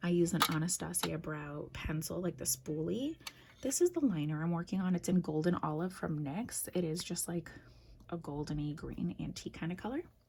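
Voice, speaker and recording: Quiet and somewhat breathy, a woman speaks at a fairly low pitch with ordinary pitch variation. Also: fairly quick pace. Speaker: beauty vlogger. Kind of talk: makeup review vlog. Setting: at home, bathroom vanity. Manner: quiet, low voice; casual, filler-heavy.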